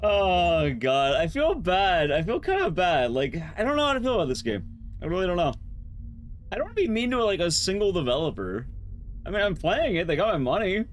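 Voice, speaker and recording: A man talks casually through a game he is streaming, hesitant and apologetic. His voice is high and very lively, with faint noise and ambience behind it. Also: fairly quick.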